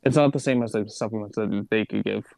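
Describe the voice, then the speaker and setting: A man's voice: lowish voice, fast talker, creaky, crowd noise. A young man in casual chat, musing aloud and asking questions with many fillers.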